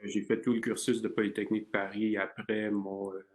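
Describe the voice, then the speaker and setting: A man's voice: on the low side, level tone, normal speed. A man from Canada in his thirties, a research scientist answering interview questions, talking hesitantly with many fillers and restarts.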